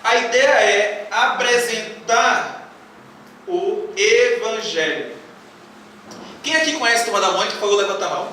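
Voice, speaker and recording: A man's voice: sits high, a little slow, long pauses, pushed and bright. A man giving a religious lecture to a live audience in a large hall, playfully quizzing the listeners. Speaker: spiritist lecturer. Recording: echoey hall from far off, faint noise.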